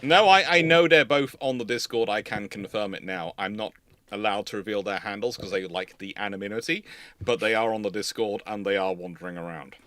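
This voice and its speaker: Bright-voiced man hosting a halting livestream chat. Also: fairly low pitch. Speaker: host of a naval history livestream. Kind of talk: casual live question-and-answer chat.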